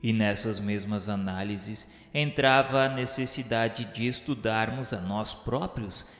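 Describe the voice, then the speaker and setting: A Brazilian man giving a solemn, dramatic first-person narration for a radio novel, with formal, literary diction. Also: lowish voice. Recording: echoey hall reverb with music. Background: music.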